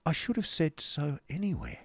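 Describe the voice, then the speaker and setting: A man voicing a gentle young Victorian woman with a courteous, tentative manner. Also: on the high side, huge pitch swings, normal speed, no echo, voice pushed up, full character voice. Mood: curious.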